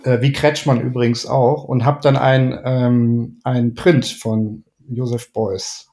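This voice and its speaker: Middle aged guy from düsseldorf, podcast guest, rambly with lots of ums, normal pitch. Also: little pitch movement, takes it slowly, mellow. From Düsseldorf, Rhineland. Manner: chatty, many fillers and restarts. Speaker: guest, ad man and gallery owner. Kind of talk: casual podcast interview.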